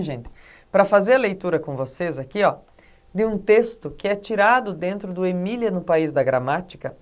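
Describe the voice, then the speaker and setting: A woman's voice: lowish voice, a little mellow. A woman with a Brazilian accent teaching a video lesson in a chatty way, often checking in with her students. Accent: Brazilian Portuguese. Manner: chatty, keeps checking in with the class. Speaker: Portuguese teacher.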